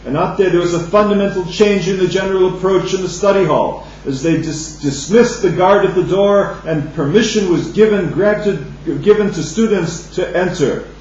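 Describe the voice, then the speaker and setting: A man whose voice sits high and slightly mellow teaches a daily Talmud lesson, reading Aramaic before explaining in English, with a halting delivery full of restarted phrases. The audio is dull and lo-fi from a distant mic, in a very echoey room with faint hum.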